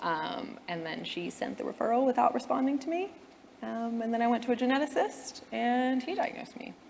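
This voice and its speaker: Amid noticeable background noise, a woman with a high pitch speaks at a fairly quick pace with lively intonation. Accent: American. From USA. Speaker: content creator. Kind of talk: casual interview.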